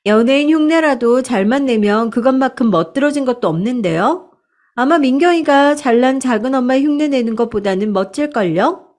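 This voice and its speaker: A woman's voice: high-pitched, expressive, fairly quick, a little mellow, pitched above the performer's own voice. A woman voicing a cheeky, self-assured young woman student who talks back confidently. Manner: pert, confident talking back.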